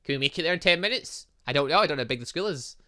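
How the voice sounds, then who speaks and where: A man's voice: on the high side, animated, very fast, bright, forceful tone. A man hosting a gaming video, reading a visual novel aloud with casual joking asides and occasional stumbles over the words.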